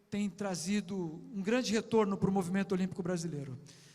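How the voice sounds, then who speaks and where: A man's high-pitched voice with fairly even intonation at a moderate pace. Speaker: sports executive. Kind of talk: panel presentation.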